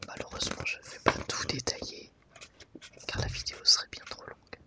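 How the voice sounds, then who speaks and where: Presenting ASMR content, a woman keeps to a soft whisper full of breath, speaking gently and carefully without hurry. The mic is set just off to her side.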